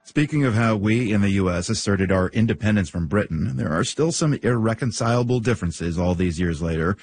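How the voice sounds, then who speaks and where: A man's voice: lowish voice, fairly quick, a little mellow, slightly rough. A man hosting a radio news program with a light, conversational reading. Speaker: news host.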